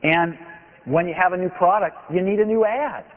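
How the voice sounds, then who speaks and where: Speaking at normal speed in a voice that sits high, a man in his forties, a company executive, gives an emphatic product keynote on a big conference stage. He sells with enthusiasm and emphasis, and the hall is heard through a tinny, lo-fi archival recording.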